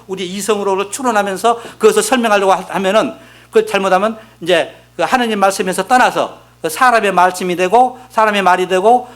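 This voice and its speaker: A man's voice: sits high, fairly bright tone. A middle-aged male pastor preaching a sermon, explaining with rhetorical questions and reading scripture aloud. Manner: reads scripture aloud, voicing the prophets' complaints. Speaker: senior pastor.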